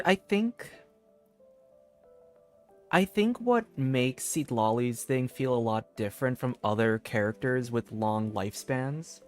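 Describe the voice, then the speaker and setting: A game streamer speaks in a medium pitch, reacting casually on a livestream. The delivery is candid and informal, and faint game music plays behind the voice.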